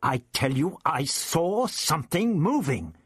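Man doing a stubborn schoolteacher, raised pitch, husky, insistent. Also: sing-song, a little slow, a bit bright, no room sound, clean studio sound, full character voice. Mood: urgent. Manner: insistent, urgent. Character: indignant male schoolteacher, stubborn, earnest.

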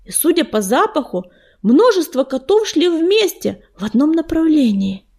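A woman voicing an excitable male warrior cat reporting back from a patrol. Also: high-pitched, moderate pace, voice pushed up. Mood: excited. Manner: excited, breathless.

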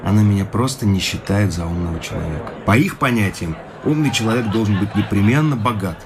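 Radio play: sincere, soft-spoken young idealist, deeper voice, room noise. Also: male voice, animated, brisk. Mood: earnest. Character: earnest young idealist Zhadov, recently married man.

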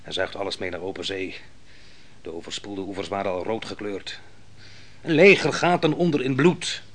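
An actor playing a proud, ruthless biblical army commander in a radio drama, speaking in a grand, declamatory style. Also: male voice, low voice, moderate pace, natural voice. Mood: grave, scornful. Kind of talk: theatrical radio drama monologue and dialogue.

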